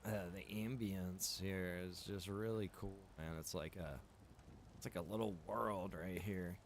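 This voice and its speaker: A man's voice: low voice, steady tone, unhurried. A laid-back man chatting to viewers in rambling, slangy game livestream commentary. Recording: clearly noisy, background ambience.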